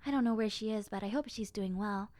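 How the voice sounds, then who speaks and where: A woman playing a gentle, chatty young zombie girl in a roleplay audio drama, musing conversationally to the listener. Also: medium pitch, quick pace, no echo, lightly acted. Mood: earnest, wistful. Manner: soft-hearted, conversational, musing.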